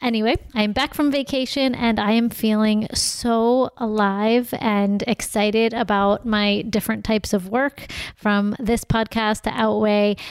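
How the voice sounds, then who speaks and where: Fairly high in pitch with fairly even intonation, this woman has an ordinary speaking voice. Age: 30s. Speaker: podcast host. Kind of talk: casual interview chat.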